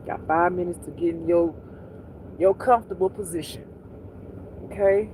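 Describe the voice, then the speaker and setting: A livestream host talking in a soothing, unhurried, intimate pillow-talk way, repeating gentle instructions to relax. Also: medium pitch, fairly even intonation, a little hiss or hum, poor audio.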